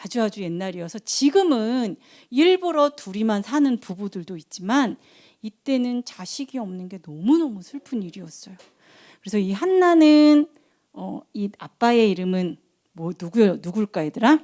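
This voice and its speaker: A young woman preacher telling a Bible story to children in an animated way, asking them questions and acting out the voices. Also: medium pitch, normal speed.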